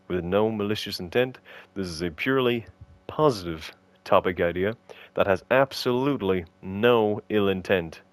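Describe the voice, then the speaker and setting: Man, podcast co-host, casual chat, teasing, exasperated, lower pitch. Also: no echo. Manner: jokey, teasing, exasperated rants.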